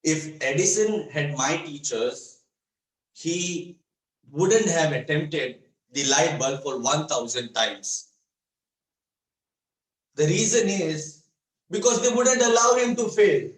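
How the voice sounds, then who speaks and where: A man's voice: a little high, takes it slowly, long pauses. A man giving a rehearsed motivational contest speech with theatrical, emphatic delivery, speaking over a video call. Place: indoor room on a video call. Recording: echoey room, distant microphone, online meeting.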